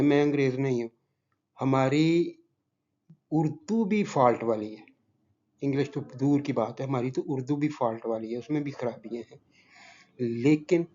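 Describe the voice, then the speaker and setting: A man's voice: medium pitch, warm tone, slight background noise. A man from Pakistan, a teacher, giving earnest and modest advice to his students at the end of a lesson. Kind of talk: lesson closing remarks to students. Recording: slightly muffled lo-fi recording.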